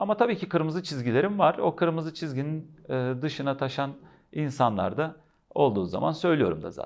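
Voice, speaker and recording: Over a quiet background, a man with vocal fry talks at a fairly quick pace and fairly high pitch, with lively intonation. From Turkey, Çatalca (Istanbul). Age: 40s. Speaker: local politician. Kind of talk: interview. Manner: hesitant, many fillers.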